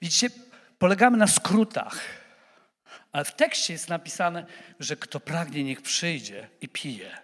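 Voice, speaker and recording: A man preaching a sermon who speaks straight to the congregation, animated and repeating words as he stumbles. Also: a little high, unhurried, long reverb tail.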